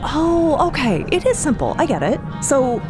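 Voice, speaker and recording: A woman's voice: high voice, sing-song, moderate pace, pitched above the performer's own voice. A woman voicing an eager, slightly bewildered and agreeable young-hearted newcomer in audio fiction. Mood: eager, puzzled. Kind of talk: audio fiction character dialogue. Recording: music bed behind voice.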